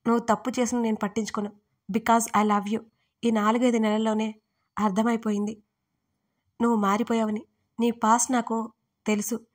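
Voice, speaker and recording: A woman voicing a possessive, angry young male lover in an audio story, talking in an accusing, forceful way. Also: on the high side, flat delivery, normal speed, long pauses, lightly acted.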